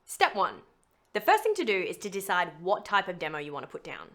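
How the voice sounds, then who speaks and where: A woman's voice: lowish voice, huge pitch swings, a little fast. A woman voiceover actor hosting a scripted video tutorial in a chatty, emphatic, playful way.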